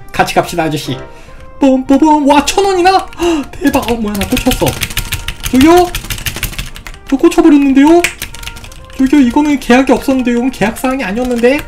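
Girl playing a game and chattering, high voice, goofy sound effects, some music in the back. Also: animated, normal speed, long pauses, warm tone. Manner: playful, exclamatory, lots of sound effects. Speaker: gaming YouTuber. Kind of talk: game let's play commentary.

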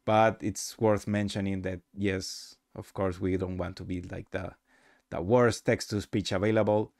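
Low-voiced man, halting tutorial narrator. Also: little pitch movement, darkish tone, no room sound, clean studio sound. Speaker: host demonstrating his software. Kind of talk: casual software tutorial narration.

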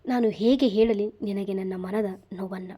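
Woman reading hurt girl's inner monologue, soft, sorrowful, poetic. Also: mid-range voice, fairly even intonation, moderate pace, slightly rough, muffled recording, natural voice.

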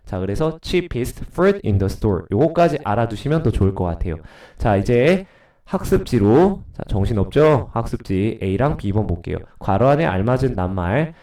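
A man's voice: mid-range voice, sing-song, a little slow, dark tone, recorded from a distance. Sick middle-aged guy giving a recorded english lesson, stuffy nose, chatty, voice goes up and down a lot. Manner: chatty, asks and answers his own questions. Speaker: middle school English teacher. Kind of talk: recorded grammar lecture.

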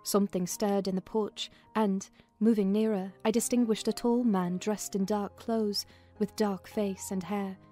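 Mellow-voiced woman narrating a novel. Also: mid-range voice, steady tone. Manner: measured storytelling. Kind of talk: dramatized audiobook narration, in character as a housekeeper. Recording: music under the voice.

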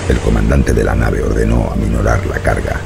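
A man narrating a horror audiobook in a gravelly voice, with slow, ominous, dramatic delivery. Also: extremely low pitch, flat delivery, heavy background noise.

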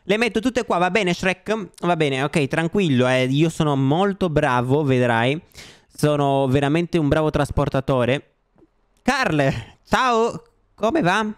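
A man doing let's play commentary on a horror game, jumpy and slangy, shouting when scared. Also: on the high side, animated, takes it slowly, clean tone, no room sound, clean studio sound. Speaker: gaming YouTuber.

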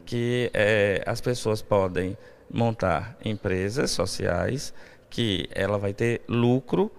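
A man's voice: on the low side, takes it slowly, creaky, slight background noise. A man in his forties, a university professor, explaining an event in a live TV interview, with many fillers. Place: outdoors on a university campus. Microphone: handheld reporter mic.

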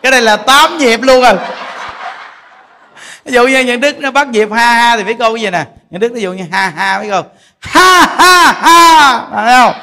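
A male monk with a very high, sharp voice talks steadily and a little fast. In a spacious temple hall, he gives a folksy Dharma talk and uses questions to coax the gathered congregation. There's long hall reverb and faint background noise.

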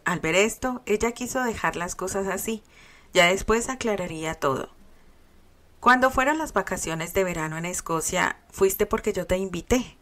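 A woman's voice: mid-range voice, expressive, moderate pace, a bit bright. Woman reading a love story aloud. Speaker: reader.

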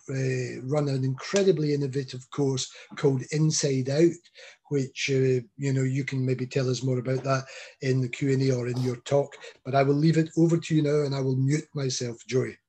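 A man's voice: medium pitch, mellow, a little hiss or hum. A middle-aged man chairing an online roundtable, politely introducing speakers through a headset mic on a video call, with many fillers.

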